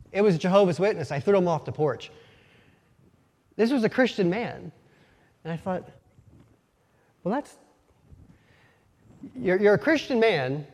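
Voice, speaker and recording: A man with a light Pennsylvania Dutch accent preaches in a relaxed, storytelling way, poking fun at himself and often restarting his sentences. His voice sits a little high for a man. The long reverb of a church hall trails after every phrase. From Pennsylvania, USA. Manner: folksy, self-deprecating, halting restarts. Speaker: lay preacher. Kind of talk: casual sermon with personal stories. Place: church sanctuary.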